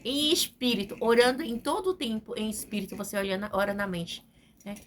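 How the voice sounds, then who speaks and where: A woman's voice: mid-range voice, a little hiss or hum. A middle-aged woman preaching a testimony sermon to her congregation, earnest and often tagging her sentences with a questioning aside. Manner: earnest, fills pauses with frequent tag questions.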